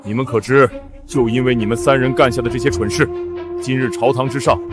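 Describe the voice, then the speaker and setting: A man's voice: mid-range voice, steady tone, a little fast, natural voice. A man playing a stern, angry middle-aged marquis and father in a costume drama, scolding imperiously. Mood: furious. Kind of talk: costume short drama acting. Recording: music behind the voice.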